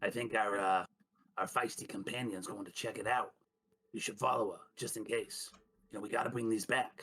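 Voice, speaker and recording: A man puts on a raspy character voice, speaking at a fairly quick pace with a medium pitch. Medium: actual play. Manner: cautious, jumpy.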